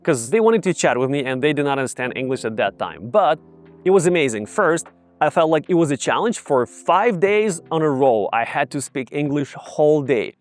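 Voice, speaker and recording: A man from Ukraine with a Ukrainian accent, casually teaching viewers to camera in an upbeat, direct way. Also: a little high. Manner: upbeat, direct, addresses viewers as "you guys". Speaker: English tutor.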